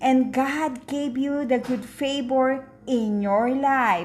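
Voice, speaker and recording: Over noticeable background noise, a woman in a Filipino accent speaks at a very slow pace with a high pitch and fairly even intonation. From Philippines. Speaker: vlogger and faith speaker. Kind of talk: casual vlog chat; inspirational religious talk. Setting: in a car.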